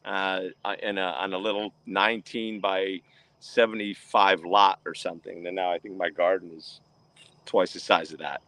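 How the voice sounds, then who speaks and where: Guy from jersey, born in portugal, chatting on a video call from his garden, low voice, laughs a lot. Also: level tone, normal speed, a bit bright. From grew up in New Jersey, born in Portugal. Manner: talkative, laughs easily. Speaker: guest. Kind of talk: casual video chat. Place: outdoors in his home garden.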